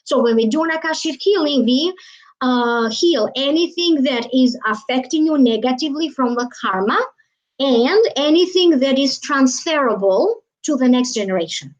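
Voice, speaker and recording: A woman's voice: sits high, lively intonation, moderate pace. A woman from Albania, talking casually on a live stream as a psychic reader, rambling with many fillers and trailing phrases. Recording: dull lo-fi live stream audio.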